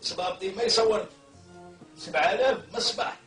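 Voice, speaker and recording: A man with an Algerian Arabic accent bickers excitedly in a comedy sketch. He talks fast in a fairly high voice, heard from a distance in an echoey room with music behind. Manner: quarrelsome, excitable, protesting. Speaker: comedic actor.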